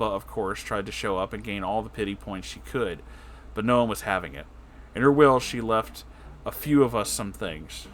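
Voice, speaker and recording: A man reading a story aloud as an online narrator, expressive and casual, with dramatic delivery. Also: on the low side, slight background noise. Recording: music behind the voice. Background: background music.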